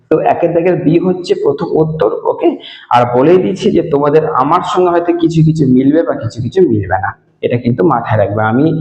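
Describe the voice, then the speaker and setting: A man's voice: on the high side, a little mellow. A male teacher going over exam answers, talking casually and straight to his students in a room with a strong echo from work going on. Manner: casual, addresses students directly. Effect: strong echo from a bare room. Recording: echoey room, dull lo-fi sound.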